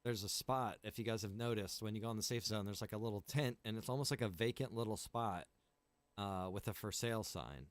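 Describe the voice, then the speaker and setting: A man's voice: fairly low pitch, a little fast, no room sound. A man chatting casually on a game livestream, explaining things in a rambling, informal way as he addresses his viewers. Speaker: game livestreamer and roleplay server organizer.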